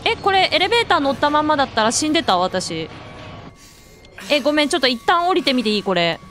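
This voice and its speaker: A woman's voice: high-pitched, very animated, quick pace. A woman playing a horror game and commenting as she goes, jittery and jokey, who bursts into frightened shrieks. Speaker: let's play gamer. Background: faint game music.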